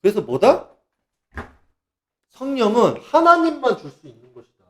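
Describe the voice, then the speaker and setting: High, lively sarcastic male preacher. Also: normal speed. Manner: sarcastic, mocking, animated. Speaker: religious channel speaker. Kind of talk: ranting religious monologue.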